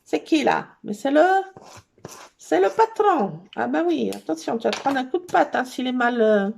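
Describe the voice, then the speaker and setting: Gravelly-voiced chatty woman crafting. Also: sits high, expressive, moderate pace, a little mellow, slight background noise. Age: middle-aged. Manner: chatty, teasing, coos at her cats. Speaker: crafting vlogger. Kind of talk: casual chat while scrapbooking.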